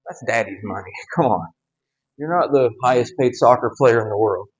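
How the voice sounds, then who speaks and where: A man's voice: medium pitch, lively intonation, low-quality recording. Casual man teaching scripture, wry asides. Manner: conversational, wry, with asides and quick laughs. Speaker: Bible teacher. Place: home gym.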